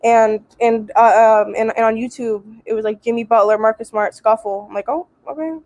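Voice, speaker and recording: A chatty woman with a fairly high voice talks sports, her speech full of fillers. The sound is dry and close, with no room echo. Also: monotone, moderate pace, darkish tone. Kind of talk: casual sports chat.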